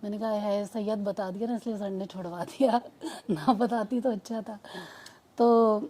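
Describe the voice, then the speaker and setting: A woman's voice: mid-range voice, steady tone, dark tone. Earnest woman telling a rambling story. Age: adult mother. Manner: earnest, rambling storytelling with many restarts and quoted dialogue. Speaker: client giving a testimonial. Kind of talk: personal testimony.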